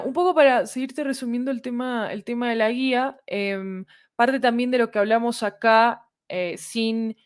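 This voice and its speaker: A woman with a Latin American Spanish accent talks casually on a podcast, explaining things and checking in with little tag questions. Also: medium pitch. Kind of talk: casual conversational podcast talk.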